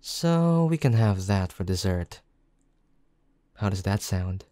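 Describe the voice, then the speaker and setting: A man playing a caring, gently teasing young boyfriend in an intimate, affectionate roleplay, speaking softly and unhurriedly. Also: low-pitched, lively intonation, takes it slowly, dry recording. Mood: gentle, caring. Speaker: voice actor in boyfriend roleplay audio.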